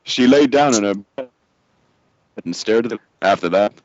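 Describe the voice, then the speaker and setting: A man's voice: fairly low pitch, lively intonation, normal speed, darkish tone, no echo. A man reading a story aloud over an online call, his voice cutting out and skipping on a bad connection. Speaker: narrator reading a fan story. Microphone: online voice chat. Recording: lo-fi, choppy online call audio.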